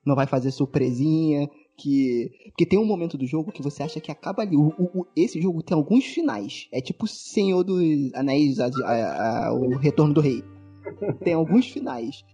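A man's voice: on the high side, normal speed, dark tone, slightly rough, highs cut off, soft background music. A man hosting a podcast in casual chat, hesitant, with frequent stammering restarts. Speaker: podcast host.

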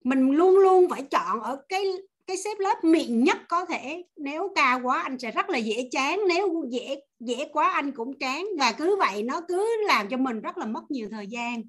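Confident high-voiced woman explaining. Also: animated, normal speed, few pauses. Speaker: volunteer tester. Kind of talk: casual talk on a video call. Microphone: video call.

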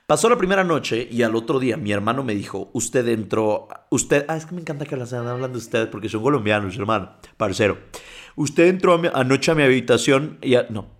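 A man hosting a podcast in casual chat, reading listener stories aloud, often stumbling and wandering off into his own comments. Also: medium pitch. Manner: digressive, stumbles while reading and comments as he goes. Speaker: podcast host.

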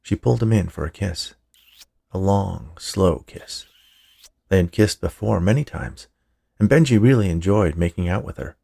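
Low gravelly man narrating fiction. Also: moderate pace, dark tone. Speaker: writer, narrator and podcast host.

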